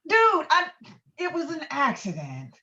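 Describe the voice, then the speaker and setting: A woman's voice: sits high, huge pitch swings, a little slow, muffled recording, background noise, full character voice. A woman playing a hot-headed, pompous middle-aged male veteran and bowler in an online script read. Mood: flustered, apologetic. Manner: blustering, pompous, foul-mouthed. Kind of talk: virtual table read of a film script. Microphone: video call.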